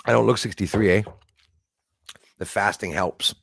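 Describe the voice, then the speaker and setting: Older male streamer, 60s, lower register, rambling and friendly with chat, dry sound. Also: moderate pace, gravelly, slightly rough, no room sound. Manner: rambling, chatty, thanks viewers by name. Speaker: live stream host. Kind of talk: casual live-stream chat with viewers.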